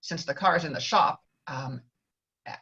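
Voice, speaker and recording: A woman's voice: sits low, normal speed, bright, forceful tone, highs cut off. A woman reading screenplay stage directions aloud as narrator of a table read.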